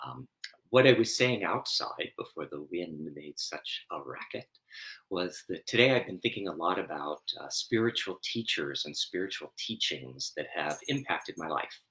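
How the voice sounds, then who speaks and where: A man in his fifties, a minister, talking to his congregation from home and then reading a short scripture in a soft, unhurried way with many fillers. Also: deep voice, animated, low-quality recording. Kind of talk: reflective talk and scripture reading. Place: home room, indoors. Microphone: webcam at desk distance.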